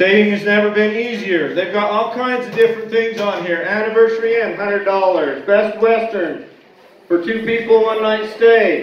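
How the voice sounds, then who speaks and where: Over light background noise and audible room echo, a man with a high pitch talks at a moderate pace with fairly even intonation. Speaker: benefit auctioneer. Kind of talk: casual spoken pitch before bidding. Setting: charity benefit event. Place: hall.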